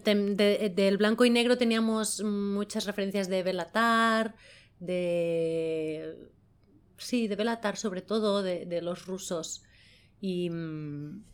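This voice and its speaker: A woman from gives an interview as a guest. She speaks colloquially at a medium pitch, telling stories in an animated, spontaneous manner. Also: smooth. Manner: animated storytelling, colloquial, acts out quotes. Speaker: guest, film director of photography. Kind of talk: casual interview chat, anecdotes.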